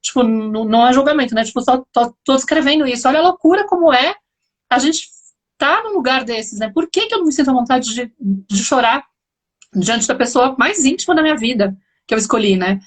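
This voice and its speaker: A woman's voice: high-pitched, lively intonation, fairly quick. A woman host, talking reflectively in a live conversation and often tagging her sentences with questions. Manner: reflective, explaining, frequent "né" tags.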